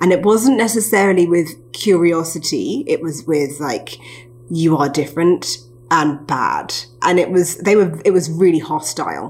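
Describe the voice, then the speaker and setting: A woman's fairly low voice at a moderate pace, ordinary pitch variation, and noticeable background noise. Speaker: podcast host. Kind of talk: casual chat.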